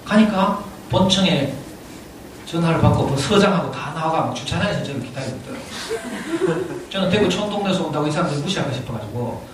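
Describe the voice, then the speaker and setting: A middle-aged man with a Gyeongsang accent tells a personal story to an audience, animated and laughing often as he talks. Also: fairly high pitch, fairly quick. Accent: Gyeongsang (Daegu). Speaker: parent speaking at a parenting lecture. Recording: echoey hall, distant mic, audible room noise.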